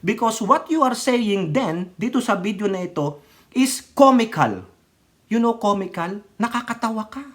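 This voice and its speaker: A woman's voice: medium pitch, animated, measured pace. A woman vlogger giving opinionated political commentary, switching between Tagalog and English mid-sentence and scolding with rhetorical questions. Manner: rhetorical, scolding, keeps asking "right or wrong?".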